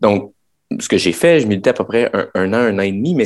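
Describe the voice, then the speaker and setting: Very wide pitch swings from a man, quiet background behind him. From Quebec City region, Quebec. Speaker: author. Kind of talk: interview.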